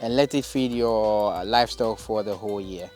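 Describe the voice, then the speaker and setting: A man from Ghana, a farmer guest, speaking outdoors in a farm paddock in a measured way with small hesitations. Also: fairly low pitch, darkish tone, faint music behind. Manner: thoughtful, measured, some hesitations. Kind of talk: casual outdoor interview.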